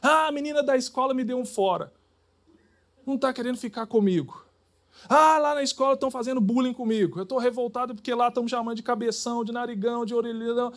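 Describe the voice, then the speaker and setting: A man's voice: very high voice, quick pace, pitched above the performer's own voice. A man voicing a whiny young son complaining to his parent. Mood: sulky.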